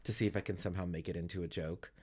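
A man's voice: sits low, fairly even intonation, very fast, a little mellow, breathy edge. A man in his thirties co-hosting a podcast, chatting casually and rambling a little, with easy laughs. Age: 30s. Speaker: podcast co-host. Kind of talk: casual chat.

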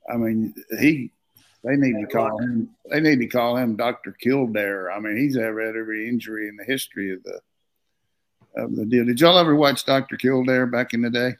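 A man's voice: mid-range voice, brisk. Rambling older man talking football. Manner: rambling, folksy, joking, repeats words. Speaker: former football coach, show regular. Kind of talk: casual sports talk.

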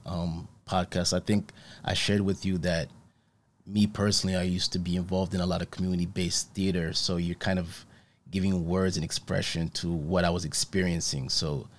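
Podcast host, very low male voice, loose and chatty questions. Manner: friendly, rambling, many fillers. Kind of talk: casual interview questions.

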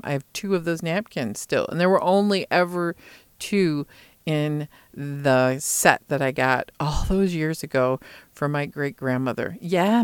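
Clear-voiced woman chatting casually, thinking aloud. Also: sits low, no room sound. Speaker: craft vlogger. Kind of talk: casual chatty monologue about hobbies.

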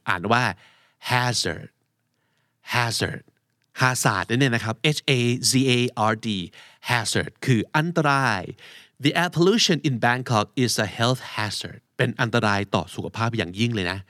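Podcast host, male, lively teacher's voice, patient spelling, dry booth sound. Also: medium pitch, no echo. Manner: explains words slowly, spells letters aloud. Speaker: English vocabulary podcast host. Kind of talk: podcast vocabulary lesson.

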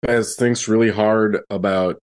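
A man playing a tabletop roleplaying game, casually narrating what his character does in halting, improvised phrases. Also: lowish voice, steady tone.

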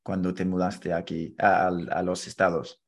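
A man's voice: deep voice, level tone, moderate pace, gravelly. A man from England with an English accent, a native English speaker, hosting a casual podcast interview. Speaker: podcast host.

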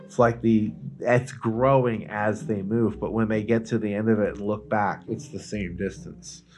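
A man's voice: fairly low pitch, fairly even intonation, moderate pace, darkish tone, faint music behind. A man co-hosting a podcast, telling stories in a casual, emphatic, informal way and swearing freely. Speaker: podcast co-host. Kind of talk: casual banter and storytelling.

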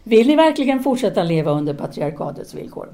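An actress plays a self-assured woman of ideas in an audio drama. Her voice is mellow and relaxed at a medium pitch. She speaks deliberately and frankly, with a teasing, seductive edge and a lecturer's certainty. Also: lightly acted. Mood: firm, didactic. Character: self-assured, seductive intellectual Frenchwoman, outspoken feminist free thinker.

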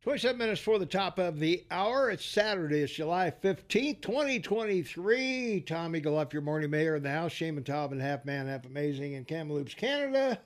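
A man's voice: fairly high pitch, expressive, fairly quick, hardly any pauses. A man in his sixties hosting a radio talk show, chatty and laughing often, reading headlines and phone numbers. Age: 60s.

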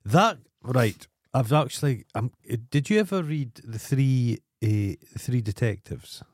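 A man's voice: medium pitch, expressive, unhurried, dry recording. Sweary, ranting Scottish man. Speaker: podcast co-host. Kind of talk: casual comic banter.

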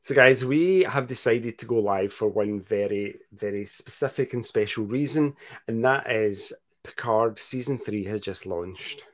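A man's voice: lowish voice, unhurried. A Scottish man hosting a live podcast, chatting casually and playfully while reading out listener comments. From Scotland. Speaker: podcast host.

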